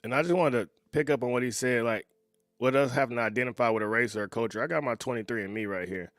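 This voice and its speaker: A man in his thirties hosting a reaction video, talking in a relaxed, conversational way and often chuckling. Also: mid-range voice, fast talker, no echo. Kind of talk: casual reaction commentary.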